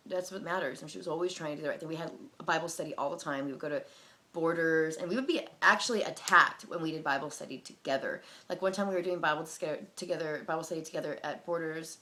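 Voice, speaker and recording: A young woman talks loosely to her viewers, full of ums and likes, her voice bright and forward. She sits a little low in pitch for a woman, and she gets animated when something strikes her. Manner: rambling, filler-heavy, animated, mimics people with loud barking sounds. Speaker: vlogger. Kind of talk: casual talk to camera.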